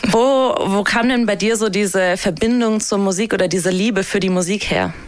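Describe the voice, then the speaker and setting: A woman's voice: medium pitch, normal speed, no echo. Chatty radio podcast host lady, upbeat, dry studio sound. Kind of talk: radio interview.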